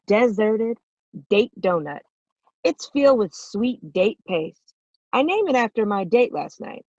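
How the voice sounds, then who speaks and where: Woman as a chatty high-voiced donut seller. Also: darkish tone, no echo, muffled recording. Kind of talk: live comedy script table read.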